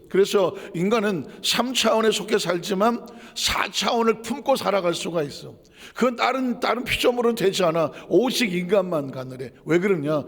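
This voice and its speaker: A man's voice: high voice, big-room sound. A man preaching as a pastor, talking to the congregation in a conversational way, full of rhetorical questions and casual asides, sliding between formal and casual speech. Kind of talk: sermon.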